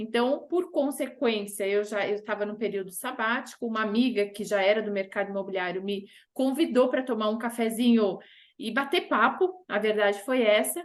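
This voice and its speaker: A woman speaks in a fairly high pitch at a moderate pace. Her pitch varies in an ordinary way, and the background is quiet. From São Paulo, Brazil (moved to Blumenau at 12). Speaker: real estate agent. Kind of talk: interview chat.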